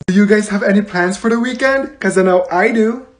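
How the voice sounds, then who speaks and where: A woman acts out a schoolteacher in a classroom comedy skit. She is bossy and falsely cheerful, talking to her class in an exaggerated sing-song that can turn snappy. Her pitch sits in a medium range. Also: a little fast, natural voice. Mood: perky, chirpy.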